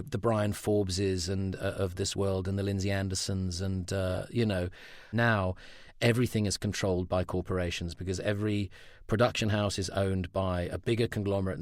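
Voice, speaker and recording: A man's voice: sits low, darkish tone, no room sound, studio quality. A middle-aged man, a voice actor, talking candidly and outspokenly as a guest in a conversational interview.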